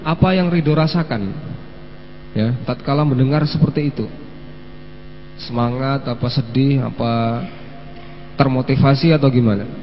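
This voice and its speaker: A man hosting a live-streamed children's story lesson, gently coaxing the kids to answer and sprinkling in Arabic phrases. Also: medium pitch, moderate pace, long pauses. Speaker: children's religious teacher and host. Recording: long hall reverb with faint mains hum.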